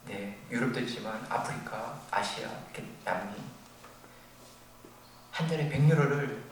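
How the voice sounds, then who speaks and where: An older man preaching a sermon as a pastor, telling a story with animated, acted-out quotes. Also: mid-range voice, moderate pace. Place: church sanctuary. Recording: very echoey, distant from the mic, faint noise.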